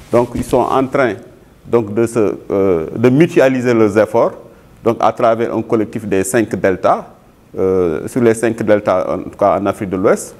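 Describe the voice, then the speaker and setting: A man from Senegal giving a formal interview as a local official, halting and repeating words as he searches. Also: fairly low pitch, a little mellow.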